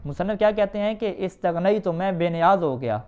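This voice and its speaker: A man teaching Arabic grammar to students, asking them questions and answering them himself, reading Arabic quickly and then explaining it. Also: sits high, darkish tone, clean tone. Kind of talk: classroom lesson reading and explaining an Arabic text. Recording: dull, lo-fi recording.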